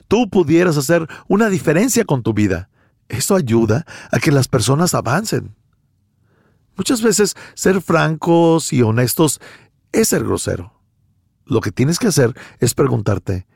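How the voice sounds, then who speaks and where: A man's voice: a little high, gravelly, darkish tone, no room sound, clean studio sound. A man preaching a sermon as pastor, emphatic and full of rhetorical questions.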